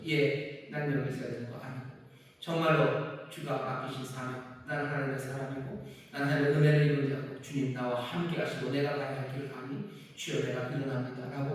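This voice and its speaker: A male pastor preaching a sermon earnestly, slowing on key words and rising for emphasis. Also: mid-range voice. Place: church sanctuary. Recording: echoey church hall from far off.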